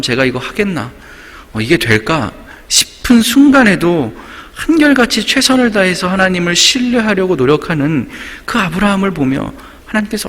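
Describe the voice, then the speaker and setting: Preaching at an early-morning prayer service, this pastor uses a high, somewhat bright voice as he tells stories and acts out quotes. The sermon takes place in a church sanctuary, with the hall's long reverb carrying his words.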